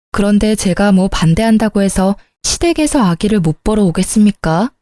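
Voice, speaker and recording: Woman narrating a story in a mellow voice. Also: medium pitch, dry recording, clean studio sound. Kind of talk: scripted narration of a personal story.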